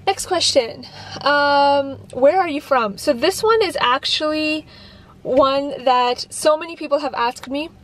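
A young, Canadian-raised YouTuber with a high voice answers viewer questions in a casual Q&A vlog from her parked car. She's chatty, with lots of ums, likes, and restarts. The camera sits on the dashboard facing her.

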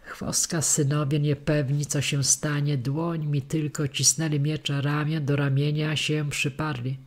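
A man narrating a historical tale in a measured, dramatic audiobook reading. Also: a little high, level tone. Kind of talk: scripted narration.

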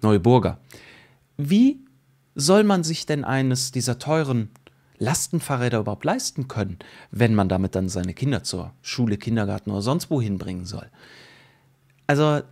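A man's voice: medium pitch, animated, moderate pace, a little mellow. A man in his late thirties giving opinionated commentary to camera, emphatic and indignant, full of rhetorical questions, close on a studio mic at home. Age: late 30s. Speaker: YouTube host and commentator. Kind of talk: opinionated reaction commentary, reading an article aloud. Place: small home studio room, indoors. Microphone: close microphone on a boom arm.

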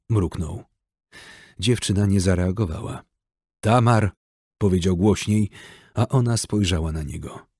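Deep, husky-voiced male audiobook narrator. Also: mellow, dry recording, studio quality.

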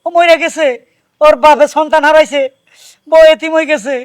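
An actor playing a simple-minded village husband who wails loudly over his dead friend. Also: very high voice, fairly even intonation, normal speed, no echo. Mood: pleading. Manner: loud lamenting wails. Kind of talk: village comedy drama acting.

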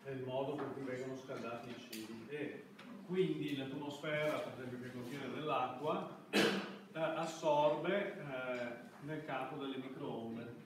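A middle-aged man giving a classroom lecture in a halting, hesitant way. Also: mid-range voice, steady tone. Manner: halting, hesitant delivery with broken-off words. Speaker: university lecturer. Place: university classroom, indoors. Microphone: far camera at back of room. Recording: echoey room, distant microphone, background noise.

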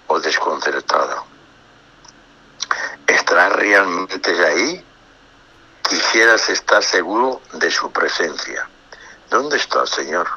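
Slow, husky-voiced priest on radio. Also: male voice, low-pitched, pushed and bright, low-quality recording. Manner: unhurried, reflective, reads psalms aloud and comments; frequent hesitations and repeated words. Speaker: priest giving religious talks. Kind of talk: radio religious talk. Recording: radio broadcast.

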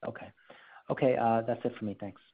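Halting male analyst, tinny phone call. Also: medium pitch, steady tone. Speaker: financial analyst asking questions. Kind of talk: earnings call questioning. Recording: narrow phone line.

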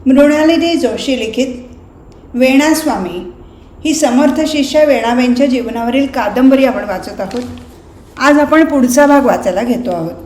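Mellow woman narrating a novel. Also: high voice. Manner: measured, expressive storytelling. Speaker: reader. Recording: roomy recording, faint noise.

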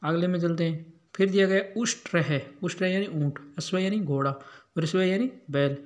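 A man running an education channel, teaching a Sanskrit lesson to schoolchildren and giving the Hindi meaning of each word in a steady drill. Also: sits high, moderate pace.

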